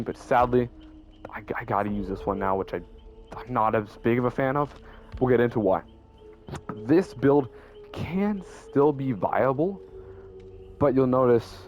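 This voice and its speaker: A man's voice: mid-range voice, darkish tone, muffled recording. A young man casually explaining his game builds as a YouTuber, rambling and correcting himself as he goes. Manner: rambling, self-correcting, stutters. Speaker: gaming YouTuber.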